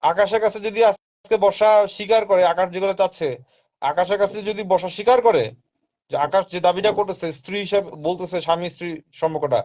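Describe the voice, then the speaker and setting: A man's voice: high voice, fast, darkish tone. A man talking casually and insistently, repeating his points and dropping in English phrases. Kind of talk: casual live talk. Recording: dull lo-fi sound.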